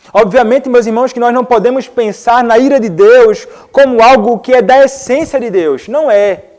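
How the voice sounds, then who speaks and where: Speaking at a fairly slow pace, a man uses an extremely high pitch. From Brazil, Recife, Pernambuco. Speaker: pastor. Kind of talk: sermon.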